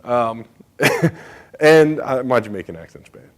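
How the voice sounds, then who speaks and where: A man's voice: mid-range voice, lively intonation, takes it slowly. A man giving a conference presentation as a state bridge engineer, speaking casually with frequent fillers and asides.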